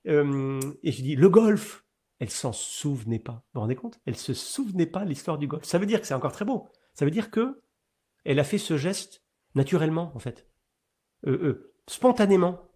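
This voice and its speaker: A middle-aged man, a priest, giving a webinar talk about his own experience, telling it in an animated way with fillers and repeated words. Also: brisk, breathy edge. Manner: animated storyteller with sudden rises in pitch and loudness.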